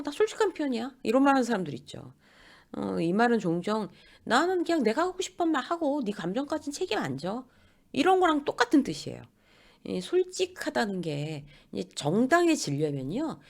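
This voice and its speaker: A woman giving a lecture on getting along at work. Her pitch rises and falls a great deal as she explains. She breaks into short quoted lines in changed voices to show how people talk. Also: a little mellow. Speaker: workplace relationships lecturer. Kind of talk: spoken lecture to camera.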